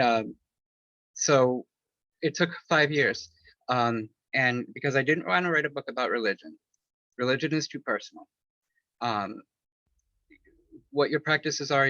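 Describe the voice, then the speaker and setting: A man's voice: mid-range voice, normal speed, pauses often, bright, forceful tone, no echo. A man answering an interview question in a loose, rambling way, with many fillers and restarts, speaking candidly about personal matters. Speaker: author and interview guest. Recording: dull lo-fi, dry sound.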